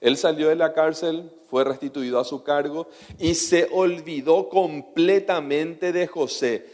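Male preacher, slightly high voice, chatty sermon, long hall reverb. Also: a little slow, darkish tone. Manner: conversational, keeps checking in with the audience.

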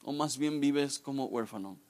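A man in his thirties, a guest pastor, giving a lively, joking youth sermon straight to the audience. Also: mid-range voice, normal speed. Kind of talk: youth sermon with humorous stories.

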